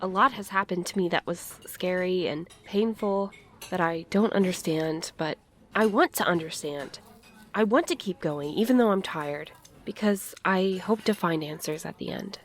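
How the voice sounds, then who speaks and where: A woman playing an earnest, conciliatory but determined friend in a naturalistic audio drama, speaking gently and with care. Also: lowish voice, normal speed, slight background noise, lightly acted. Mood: earnest, resolute.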